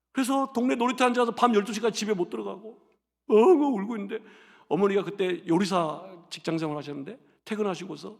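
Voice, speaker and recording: A man preaching in a church sanctuary, his voice high for a man and gravelly with fry. He tells his story vividly, acting out each family member, then drives his points home to the congregation. Long reverb trails off each phrase. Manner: storytelling, acts out family voices, builds to shouted exhortation. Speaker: pastor. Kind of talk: sermon with personal story.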